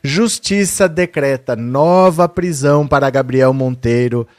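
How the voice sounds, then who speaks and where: A man's voice: medium pitch, measured pace, darkish tone, no echo, studio quality, faint music behind. Indignant man hosting a live stream. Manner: indignant, talks straight to viewers. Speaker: live-stream political commentator. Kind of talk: casual live-stream commentary.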